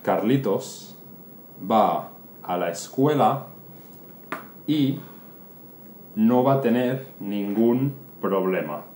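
A man, a Spanish teacher telling a simple story for learners slowly and repetitively, in an animated way. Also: fairly low pitch. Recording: roomy room, faint noise.

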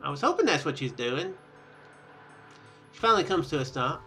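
A man's voice: fairly high pitch, sing-song, moderate pace, bright, forceful tone. A young man hosting a casual game playthrough, reading narration aloud and commenting, sometimes stumbling over words and rereading them. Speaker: let's play host. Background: game music.

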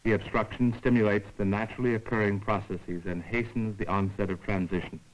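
A man giving formal, measured scripted narration for an educational science film, explaining carefully like a lecturer. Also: lowish voice, fairly even intonation, poor audio.

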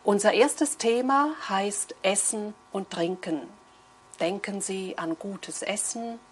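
Middle-aged woman examiner; clear, slow, measured explaining. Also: mid-range voice. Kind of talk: exam instructions. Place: indoor room.

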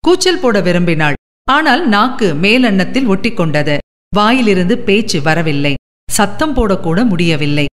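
A woman narrates a novel for an audiobook, measured and dramatic in her delivery. Her voice sits at a middling pitch, and a long reverb trails after her words. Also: sing-song.

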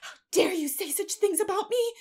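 A woman voicing an indignant young orphan girl in a storybook, vehement and defiant, shouting in a choked voice. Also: very high voice, lively intonation, moderate pace, pitched above the performer's own voice.

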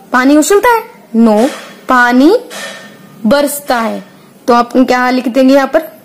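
A woman teacher goes slowly through a grade-school workbook, asking questions and answering them herself. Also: high voice, rough recording. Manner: patient, drawn out, asks and answers her own questions, frequent "theek hai". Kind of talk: slow classroom lesson explaining a workbook.

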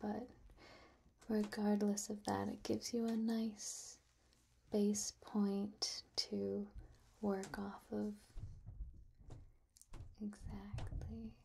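A young woman doing a soft-spoken ASMR roleplay as an apothecary, hushed and gentle, often close to a whisper into a near microphone. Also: mid-range voice. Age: young adult. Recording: clear background noise with clicks.

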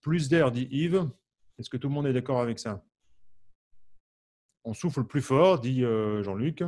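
Speaking at a measured pace with a medium-pitched, darkish voice, a man from the Champagne region of France teaches harmonica in a live online class. He keeps things loose and chatty, with many fillers, posing questions to viewers and responding to them by name.

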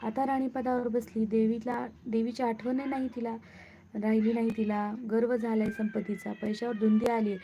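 Bitter old crone in rags read by a woman, dark, flat delivery, muffled lo-fi recording. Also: a little high, normal speed, slight background noise, natural voice. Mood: angry.

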